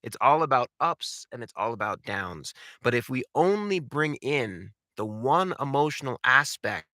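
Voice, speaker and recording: With no room sound at all, a man teaches voice acting in an unhurried, sing-song way, his mid-range voice bright and forceful. He delivers the lesson emphatically, illustrating with acted examples and frequently asking rhetorical questions.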